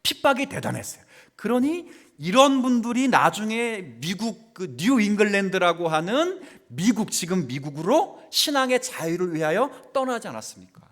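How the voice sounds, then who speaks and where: A male pastor preaches in a church with a high, very animated voice. He questions his congregation directly and moves between forceful declarations and near-whispers. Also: moderate pace, hardly any pauses. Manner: swings from loud exclamations to near-whispers, asks the congregation questions. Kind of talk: sermon. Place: church sanctuary.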